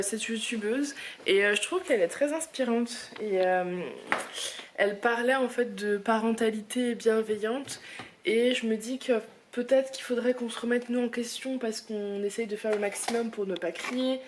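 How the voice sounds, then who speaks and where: A woman's voice: a little high, fairly even intonation, normal speed, a little hiss or hum. A young mother chatting casually to the camera at home in a family vlog, talking through her day and switching to a sing-song voice for her toddler.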